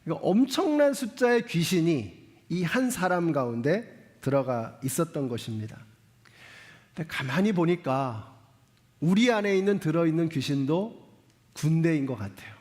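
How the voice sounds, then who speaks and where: A man's voice: fairly high pitch, expressive, normal speed, a little mellow. A male pastor preaching a sermon, talking straight to his congregation with frequent questions and earnest appeals. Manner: earnest, exhorting. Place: church sanctuary. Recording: long church reverb.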